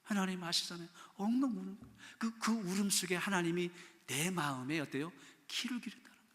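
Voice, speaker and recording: A middle-aged male pastor preaching a sermon in a church, acting out prayers and quotes, swinging from loud calls to soft, pleading tones. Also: high voice, quick pace. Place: church sanctuary. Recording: church hall reverb.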